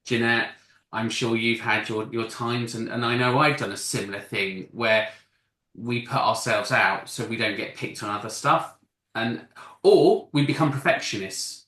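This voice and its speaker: A man's voice: medium pitch, moderate pace, pushed and bright, echoey room. A man in a casual panel discussion who explains at length in long stretches, often restarting his sentences. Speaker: panel guest explaining masking.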